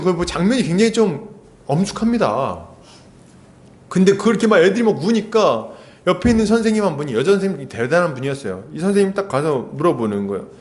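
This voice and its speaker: Male pastor, high and lively voice, storytelling sermon with rhetorical questions. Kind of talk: expository sermon. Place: church.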